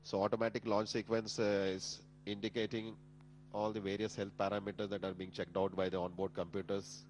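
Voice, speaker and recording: Male launch commentator, Indian accent, fairly deep, measured and formal, slight hum behind the voice. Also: level tone, low-quality recording. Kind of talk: live technical commentary. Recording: humming background noise.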